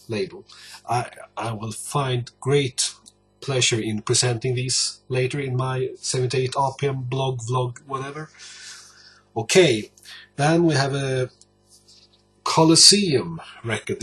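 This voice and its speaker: Husky-voiced, halting man from Sweden. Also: medium pitch, a bit bright. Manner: hesitant, halting, searching for words. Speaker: record collector presenting a video blog. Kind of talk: casual show-and-tell talk.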